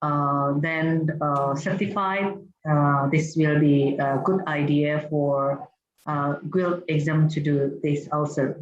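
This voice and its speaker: A university lecturer on a video call, speaking hesitantly with many fillers and soft laughs. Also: medium pitch, fairly even intonation, slow, roomy sound, lo-fi sound, a little hiss or hum. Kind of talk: online meeting discussion.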